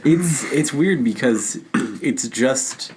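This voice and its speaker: A man's voice: mid-range voice, expressive, slow, darkish tone, slight background noise. A man co-hosting a podcast, talking through films in a casual but analytical, explanatory way. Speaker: podcast co-host. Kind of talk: casual film discussion.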